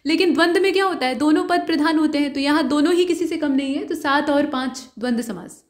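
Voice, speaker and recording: High-voiced woman explaining test answers. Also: quick pace, roomy sound. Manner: steady explanatory tone, addresses viewer directly. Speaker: exam prep teacher.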